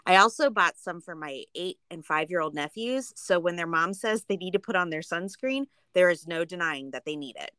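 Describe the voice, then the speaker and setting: A woman's voice: lowish voice, lively intonation, moderate pace, few pauses, sharp tone, clean tone, no echo. Chatty woman co-host, very dry recording. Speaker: podcast co-host. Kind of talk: casual chat and read sponsor spots.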